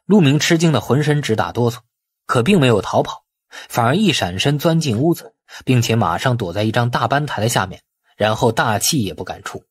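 A man's voice: mid-range voice, animated, brisk, breathy edge, dry recording. A man reading a suspense novel as a dramatic audiobook narrator.

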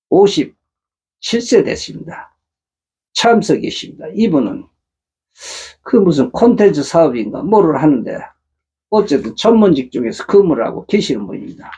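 A man's voice: a little high, warm tone, husky. A middle-aged man hosting a matchmaking channel, talking earnestly to viewers and lecturing with rhetorical questions. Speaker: matchmaking agency host. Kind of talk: casual monologue to viewers.

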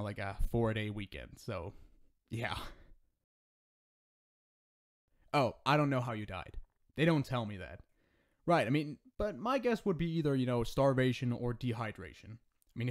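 Some guy doing a cheeky demon dude for asmr roleplay, mid-pitched, sardonic n casual, kinda flirty, swears a lot. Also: a little mellow, lightly acted. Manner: casual, sardonic, foul-mouthed joking.

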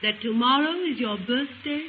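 A woman's voice: a little high, normal speed, slight background noise, lightly acted. A woman playing a refined, earnest, anxious aristocratic duchess in a 1930s radio drama. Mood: coaxing. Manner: genteel, earnest, theatrical. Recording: tinny 1930s radio recording.

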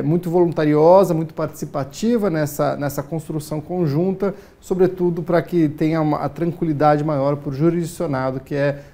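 A man in his forties with a warm, gravelly voice, speaking as a studio guest on a TV morning program. He talks in a formal, measured way, stopping often on small fillers. His lapel mic picks him up clearly in the studio. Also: fairly high pitch. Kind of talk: TV interview answers. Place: TV news studio.

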